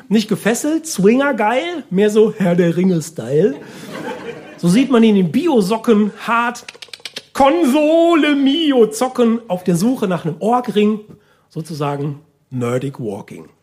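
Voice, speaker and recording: On a live stage, a male stand-up comedian and slam poet performs a monologue that is wry, colloquial and theatrical, with the audience laughing. His high voice swings broadly in pitch, runs a little slow and sounds darkish, with slight background noise.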